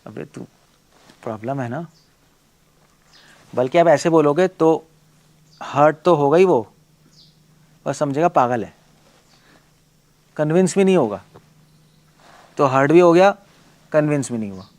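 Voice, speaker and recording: A man, a monk and preacher, giving a blunt, forceful lecture, firing rhetorical questions and mixing English words into his talk. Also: a little high, animated, measured pace, long pauses.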